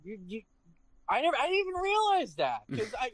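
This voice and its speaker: A man's voice: very high voice, huge pitch swings, brisk, no echo, low-quality recording. A man co-hosting a casual chat show, rambling and swearing, often restarting his sentences. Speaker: podcast co-host.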